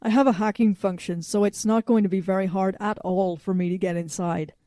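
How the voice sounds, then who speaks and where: A self-assured female robot from the future played by a woman speaks in a mellow, relaxed voice. She is blunt and faintly condescending, matter-of-fact in audio drama dialogue, recorded dry and close. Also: medium pitch, a little fast, no echo, lightly acted. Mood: smug, confident.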